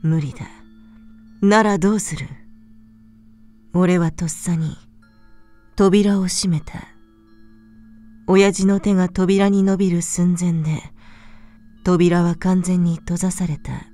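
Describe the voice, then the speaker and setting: Female horror narrator, calm and soft, slightly low mellow voice for bedtime ghost stories. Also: takes it slowly, long pauses. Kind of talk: scripted narration of a ghost story.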